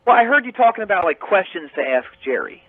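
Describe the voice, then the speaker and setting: A man's voice: high voice, very animated, quick pace, dry recording. A man calling in to a radio show and teasing the host in a needling, mock-bossy way, his voice coming over a thin phone line. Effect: voice heard over a phone line on a radio broadcast. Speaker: caller. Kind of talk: call-in radio banter.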